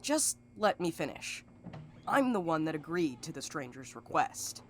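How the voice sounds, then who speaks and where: Woman playing low, lively, cynical schemer. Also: a little slow, slight background noise. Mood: scheming. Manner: wry, blunt, folksy turns of phrase. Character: cynical, mercenary, sharp-tongued woman schemer. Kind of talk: audio drama acting.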